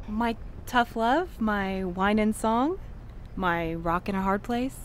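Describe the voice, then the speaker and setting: A woman's voice: mid-range voice, slow, slight background noise, close to an everyday voice. An actress playing an earnest, romantic, stubborn woman courier, emotionally open, in a naturalistic audio drama. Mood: fond, teasing.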